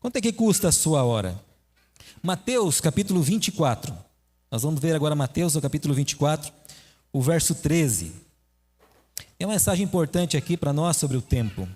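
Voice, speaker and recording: A man with a high voice preaches in a conversational, storytelling way, peppering the congregation with questions. His voice rings through a large hall with a long reverb tail. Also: animated, normal speed, long pauses, a little mellow. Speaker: pastor. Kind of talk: sermon.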